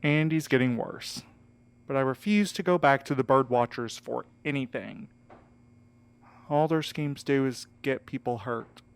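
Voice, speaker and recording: Earnest male courier played by an actor, resonant and clear, casual and coaxing, for a fiction podcast. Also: mid-range voice, unhurried. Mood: earnest, subdued. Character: easygoing, encouraging male courier, earnest and folksy. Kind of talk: scripted audio drama acting.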